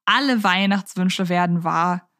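A woman's voice: fairly low pitch, unhurried, fairly bright tone, no room sound, studio quality. A woman co-hosting a podcast in a casual, chatty and enthusiastic way. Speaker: podcast co-host. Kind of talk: casual fan podcast chat.

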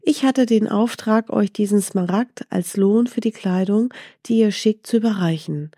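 A woman voicing a small, clever talking gazelle in a storybook, speaking softly and persuasively. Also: mid-range voice, moderate pace, dry recording, studio quality, natural voice. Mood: courtly. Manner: soft, gently persuasive.

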